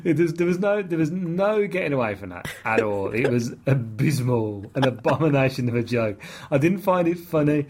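Husky man ranting. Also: on the high side, sing-song, a little fast, few pauses. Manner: exasperated, ranting with laughs. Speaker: podcast co-host. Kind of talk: casual chat reviewing a TV episode.

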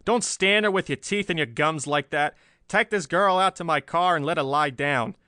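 A man voicing a fiery, hard-boiled old newspaper editor in a storybook, barking gruff orders. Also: on the high side, moderate pace, pushed and bright, no echo, clean studio sound, voice pushed up. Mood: gruff command.

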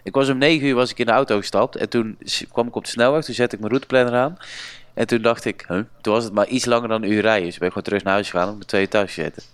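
A man's voice: fairly low pitch, rapid-fire, hardly any pauses, smooth, dry recording. A young man with a Brabant accent, co-hosting a casual podcast and telling rambling anecdotes. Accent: Brabant Dutch. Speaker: podcast co-host. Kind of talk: casual podcast chat, storytelling.

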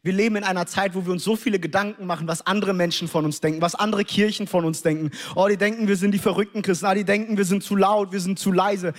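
Animated high-voiced German preacher. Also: male voice, quick pace, few pauses. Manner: animated storytelling, acts out scenes, with English interjections. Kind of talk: sermon.

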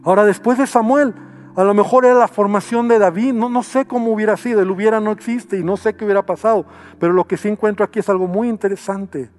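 A man's voice: sits high, fairly even intonation, fast, darkish tone. A male pastor preaching a sermon, acting out quoted voices as he goes.

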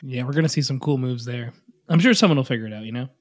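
A man's voice: medium pitch, rapid-fire, dry recording, studio quality. A man co-hosting a casual gaming podcast, mostly chiming in with short reactions. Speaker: podcast co-host.

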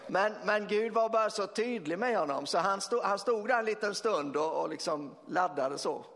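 A man preaching as pastor, telling a story in a lively way with fillers and laughter. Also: sits high, creaky. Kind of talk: sermon storytelling. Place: church hall. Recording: long church reverb.

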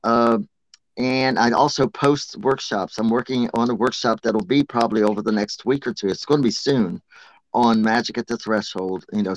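A man's voice: fairly low pitch, poor audio. A man from Appalachia, a guest teacher, earnestly explaining witchcraft rituals in casual conversation. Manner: earnest, chants and sings ritual verses.

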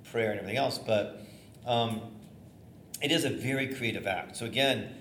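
A middle-aged man, a theater-trained bishop with a loud voice, teaching preachers in a conversational, energetic way with fillers and restarts. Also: lowish voice. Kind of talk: informal teaching talk on preaching. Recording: echoey room, faint noise.

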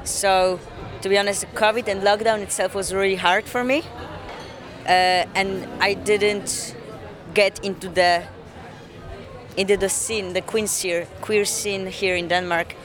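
Street interviewee, outdoors in a city, reflective personal story, faint crowd. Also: female voice, mid-range voice, fairly even intonation, over music. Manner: reflective, halting personal account.

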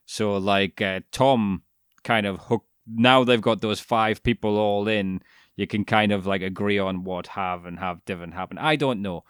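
A man's voice: on the low side, measured pace, a bit bright, smooth, dry recording, studio quality. A man co-hosting a podcast, rambling through a casual chat about a documentary with frequent restarts, fillers and the odd swear word. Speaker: podcast co-host.

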